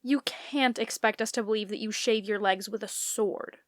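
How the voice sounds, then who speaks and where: A woman's voice: mid-range voice, steady tone, moderate pace, natural voice. A woman playing a sensible, sceptical young female friend in an audio comedy drama. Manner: skeptical, matter-of-fact. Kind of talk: audio fiction comedy acting.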